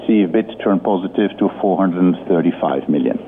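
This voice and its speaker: Male executive for an earnings call: lowish voice, formal, hesitant delivery, heard over a thin telephone connection. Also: a little fast. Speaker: company executive. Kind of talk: prepared earnings-call presentation. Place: conference call line. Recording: muffled phone-line audio with noise.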